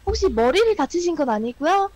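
A man's voice: very high-pitched, big pitch swings, brisk, noisy background, voice pushed up. A man putting on a young woman's voice and claiming a cold, playful and teasing. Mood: coy.

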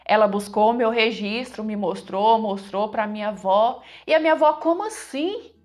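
A woman's voice: mid-range voice, moderate pace. A woman telling a dramatic first-person story in an emotional, conversational way, speaking to her listeners directly.

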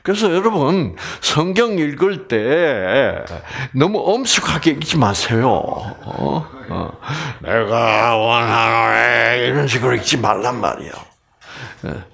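A man from Gyeongsang Province giving a lively Bible lecture, often quizzing his audience. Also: mid-range voice, a little slow, gravelly, slightly rough. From Gyeongsang Province, Korea. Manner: animated, keeps quizzing the audience.

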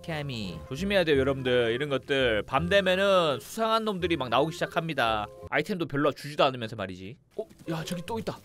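A young man commentating his own gameplay, excitable and teasing, often yelling at enemies on screen. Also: fairly high pitch, fast, hardly any pauses, faint music behind. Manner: excitable, shouts and teases enemies. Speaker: gaming streamer. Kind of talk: let's play commentary.

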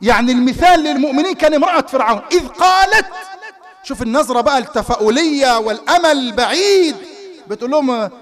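A man preaching a live sermon with an Egyptian Arabic accent, telling stories in an animated way and throwing rhetorical questions to his listeners. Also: extremely high pitch, very fast. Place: Islamic center hall.

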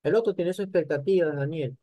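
An older man giving an animated motivational lecture, speaking straight to his audience. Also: a little high, fairly quick, no echo. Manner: animated, addresses the audience directly. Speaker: conference speaker.

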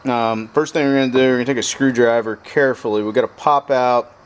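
A man's voice: medium pitch, steady tone, fast, slight background noise. Man explaining a motorcycle fuel pump rebuild. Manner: plain, practical, talks while working with his hands. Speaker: motorcycle repair how-to host. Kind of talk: step-by-step repair walkthrough. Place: outdoors at a pickup truck bed workbench.

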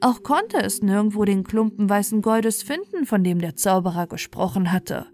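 A woman's voice: mid-range voice, animated, moderate pace, darkish tone. A woman reading a scripted bedtime fairy tale as its narrator.

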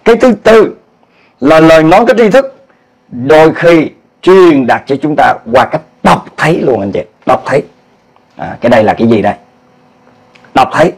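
A man preaching a sermon as pastor, with a Southern Vietnamese accent, animated, asking the congregation questions and acting out quoted cries. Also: a little high, moderate pace, long pauses, husky, rough recording.

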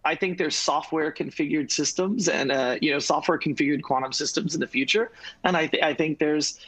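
Energetic man on a video call. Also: a little high, fairly quick, husky, no echo, poor audio. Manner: energetic, repeats words, gestures with hands. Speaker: panelist. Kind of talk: fast, enthusiastic panel discussion. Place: home studio room.

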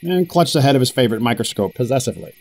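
A man's voice: mid-range voice, lively intonation, rapid-fire, darkish tone. A man playing a wry, put-upon boss who narrates his own story in an audio drama, with dry delivery. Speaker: narrator and character. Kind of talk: first-person audio drama narration and dialogue.

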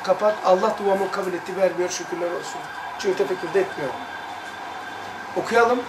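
A high-pitched man leads a religious study lesson in an earnest, emphatic way, stretching words and imitating sounds as he tells his story. He sounds far from the mic in a reverberant room, with a light hiss underneath. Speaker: religious study circle teacher. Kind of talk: recounting a personal experience and reading aloud in a study lesson. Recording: echoey room, distant mic, light noise.

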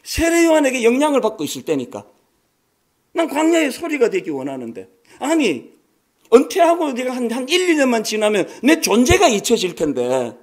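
A man in his sixties, a pastor, preaching a sermon in a conversational, animated way with many rhetorical questions. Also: very high voice, normal speed. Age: 60s.

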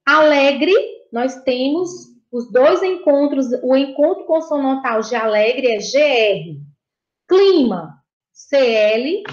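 A woman with a Brazilian Portuguese accent gives a video lesson to young pupils with a high voice. She talks slowly and patiently, repeats every point and praises the answers. The recording sounds dull and echoey, as if made in a bare room. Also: lively intonation. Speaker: primary school teacher.

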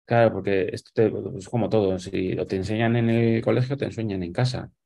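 Guy in his 40s, deep and mellow, lots of ehs and restarts, webcam call. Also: steady tone, a little fast, gravelly. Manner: thoughtful, explaining with many fillers and restarts. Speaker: guest. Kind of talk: casual conversation on a video call. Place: small room at home. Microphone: webcam on a video call.

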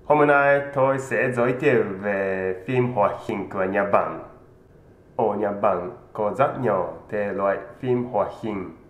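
A man with a Japanese accent speaks slowly and carefully, like someone presenting in a learned language. His pitch is mid-range, and the room rings noticeably around his voice, with a slightly dull sound and faint noise. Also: roomy sound. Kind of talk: scripted presentation with rehearsed phrases. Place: indoor room with green screen.

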